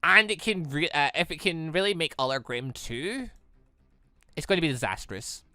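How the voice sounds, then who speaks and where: A man hosting a let's play, reading visual novel dialogue aloud in an animated way and reacting excitedly as he goes. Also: fairly high pitch, moderate pace, no room sound. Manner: animated, stumbles while reading and exclaims at the story.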